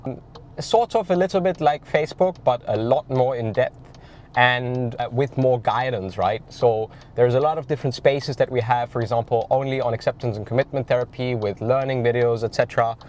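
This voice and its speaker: A man's voice: mid-range voice, fairly even intonation, brisk, a little mellow. A man, talking casually in a car, his voice nasal from a cold, with many ums and uhs. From Germany. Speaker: tinnitus coach. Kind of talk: casual vlog while driving. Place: in a car while driving. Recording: faint car noise behind.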